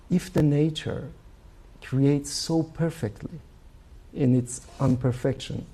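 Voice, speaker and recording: A man from Iran with a Persian accent, a filmmaker answering interview questions in a thoughtful, halting way with many fillers. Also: medium pitch, creaky, mellow, breathy edge, low-quality recording. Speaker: filmmaker guest.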